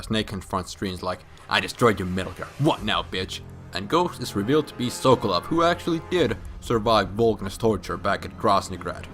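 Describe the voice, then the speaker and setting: A drunk man tells a story in a casual, comedic recap. His voice is low and forceful, and he rambles and swears with emphatic outbursts. Faint music plays behind him. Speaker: video game storyline explainer. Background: background music.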